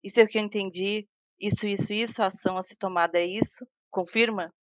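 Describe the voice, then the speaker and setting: A woman's voice: medium pitch, fairly even intonation, quick pace, no echo. Chatty woman, dry sound. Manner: chatty, frequent restarts and fillers, laughs while talking. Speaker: guest software engineer. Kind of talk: casual interview talk.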